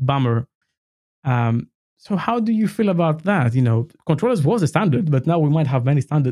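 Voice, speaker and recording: A man's fairly high pitch with very wide pitch swings, a dark, mellow, somewhat breathy tone, very even loudness, and a dry, close sound with no echo. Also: moderate pace. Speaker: software engineering manager and YouTube educator. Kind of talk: podcast interview.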